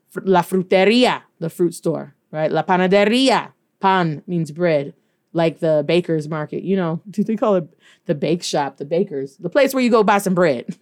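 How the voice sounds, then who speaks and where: A woman from Detroit with a Black Midwestern accent, telling a story in a chatty, animated way while teaching Spanish. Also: fairly low pitch. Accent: Black Midwestern American. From Detroit, Michigan. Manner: chatty, animated, addresses listeners as y'all. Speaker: Spanish teacher and podcast host. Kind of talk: casual storytelling lesson mixing English and Spanish.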